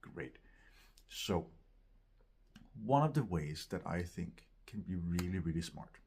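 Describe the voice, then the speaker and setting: A man teaching vocal technique in an instructional video, explaining gently step by step and often checking in. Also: sits low, husky. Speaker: vocal coach, host of a tutorial series.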